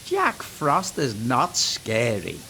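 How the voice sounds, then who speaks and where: A man's voice: mid-range voice, huge pitch swings, slow, gravelly, sharp tone, a little hiss or hum, exaggerated voice. A man voicing a proud, dismissive young male steam engine in a storybook, boastful and emphatic. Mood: scornful.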